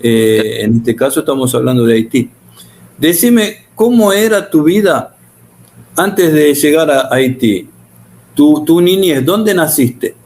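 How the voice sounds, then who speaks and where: A man's voice: a little high, takes it slowly, darkish tone. A man hosting a Christian interview, prayerful and prompting with frequent tag questions. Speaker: interviewer, host.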